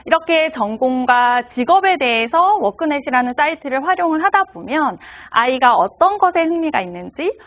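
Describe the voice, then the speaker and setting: A woman's voice: on the high side, muffled recording. A woman giving a lecture to parents, asking the audience rhetorical questions.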